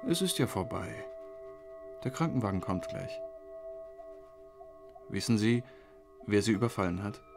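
A calm police commissioner soothes an injured woman. His voice is fairly low, with music playing beneath it. The recording is a studio radio play. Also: measured pace, creaky, long pauses. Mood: soothing. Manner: soothing, reassuring. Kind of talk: radio drama acting.

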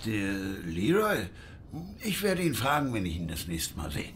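A man's voice: lowish voice, wildly swooping pitch, measured pace, a bit bright, exaggerated voice. Guy doing a grumpy old grandpa, voice goes up and down a lot, noisy background, radio play. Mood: teasing, muttering. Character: grumbling elderly husband and grandfather. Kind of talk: audio drama acting. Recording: clear background ambience noise.

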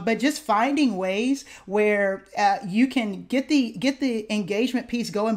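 A woman band director speaks on a webcam call from a home office, her pitch in the middle of the range. She explains things earnestly and at length, with plenty of filler words. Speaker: high school band director. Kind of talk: video call panel discussion. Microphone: video call webcam.

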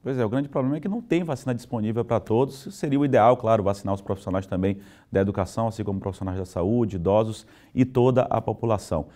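Low, mellow-voiced male news anchor. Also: fast talker, hardly any pauses. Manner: conversational, ad-libbed, with fillers. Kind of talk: live morning news presenting. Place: TV news studio.

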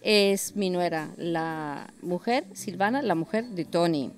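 A woman's voice: lowish voice, slow pace. Middle-aged woman restaurant owner presenting. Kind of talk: casual on-camera presentation. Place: indoors in a busy restaurant. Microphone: handheld mic held by interviewer.

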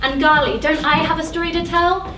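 Woman playing a very high-voiced brazen pantomime princess. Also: fairly even intonation, brisk, music in the background, natural voice. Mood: brash, grandiose. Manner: theatrical, perky, brash. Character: Belle, self-absorbed brazen young pantomime princess. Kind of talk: live amateur pantomime stage acting. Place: indoor theatre stage. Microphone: distant camera. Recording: echoey theatre stage from far off.

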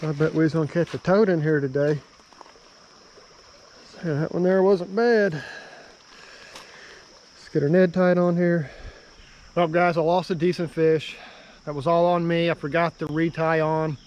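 A man talking casually to viewers as he fishes a creek outdoors, excited and chatty. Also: fairly high pitch, a little slow, long pauses, muffled recording, slight background noise. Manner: excited, talks to viewers while fishing. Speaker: fishing vlogger.

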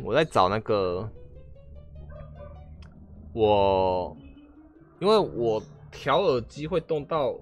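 A man with a Taiwanese Mandarin accent chatting casually on a live game stream, asking viewers questions and often trailing off and restarting. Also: medium pitch.

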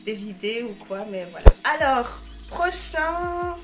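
A woman's voice: fairly high pitch, animated, takes it slowly, music in the background. A woman in her early twenties chatting casually to camera as she answers viewer messages, bubbly and full of slangy fillers.

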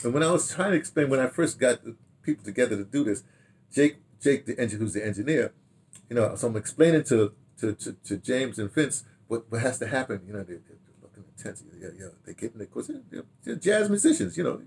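An American man in his sixties reminisces casually in a rambling, halting way, repeating words and throwing in animated asides, recorded in a home study. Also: medium pitch, a little hiss or hum. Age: 60s. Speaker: radio drama director telling his history. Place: small home study, indoors.

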